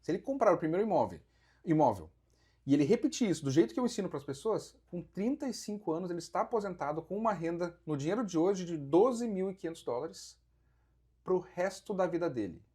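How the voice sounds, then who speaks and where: A man's voice: high-pitched, big pitch swings, fast talker, dark tone, husky. A Brazilian man with a Brazilian Portuguese accent, a podcast guest who explains real estate investing with rhetorical questions. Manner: explanatory, counts through figures, asks rhetorical questions. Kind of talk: casual podcast conversation.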